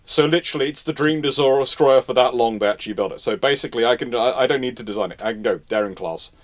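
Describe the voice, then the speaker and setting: A man's voice: mid-range voice, quick pace. A man hosting a casual live history question-and-answer session, speaking emphatically and repeating phrases for stress. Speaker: host answering viewer questions.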